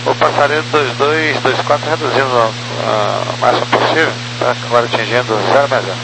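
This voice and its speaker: A pilot's voice comes through a cockpit headset radio, buried in heavy static hiss. The man speaks at a middling pitch in clipped aviation phrasing, pausing and restarting now and then as he reads back instructions. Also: creaky. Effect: pilot heard over cockpit radio headset. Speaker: airline pilot. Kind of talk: radio calls to air traffic control. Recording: loud static radio transmission.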